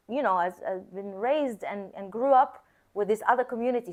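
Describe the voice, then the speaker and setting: A woman's voice: mid-range voice, darkish tone. A woman born and raised in Israel, speaking earnestly as a guest on a panel discussion and repeating phrases for emphasis. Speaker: guest, singer and activist.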